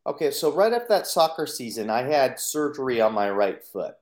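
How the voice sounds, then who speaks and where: A man's voice: mid-range voice, sing-song, brisk, a little mellow. A man telling his own life story on a podcast in an earnest way, acting out his inner thoughts in quotes. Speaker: podcast guest. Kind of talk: personal storytelling.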